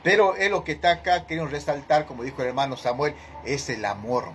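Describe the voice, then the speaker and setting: Male Bible study leader, emphatic and questioning, pitched a bit high, faint background hiss. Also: fast talker, fairly bright tone. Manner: questioning, emphatic, addresses group directly.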